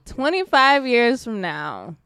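A woman's voice: fairly high pitch, sing-song, takes it slowly, sharp tone, clear, resonant tone, dry recording. A woman co-hosting a basketball podcast from her townhome, talking in an easygoing way and laughing often. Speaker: podcast co-host. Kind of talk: casual chat. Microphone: podcast mic.

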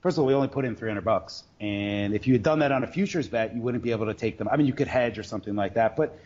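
Guy telling stories in an interview, rambly n halting, kinda muffled lofi audio. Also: medium pitch, darkish tone. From Queens, New York. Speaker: sports bettor guest. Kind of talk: casual storytelling interview. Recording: dull lo-fi audio.

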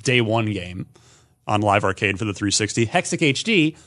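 A man's voice: lowish voice, very animated, normal speed, fairly bright tone. A man hosting a casual gaming panel show, talking in a teasing, conversational way. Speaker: podcast host and quizmaster.

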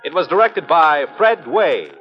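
A man announcing closing credits in formal 1950s radio style, his pitch rising and falling a lot. The sound is a dull old transcription with faint music under him. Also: big pitch swings, measured pace.

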